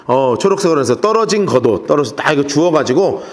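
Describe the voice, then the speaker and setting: A male pastor teaching the Bible in a lively storytelling sermon, telling listeners what to write down. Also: on the high side, fast. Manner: lively storytelling, gives note-taking instructions.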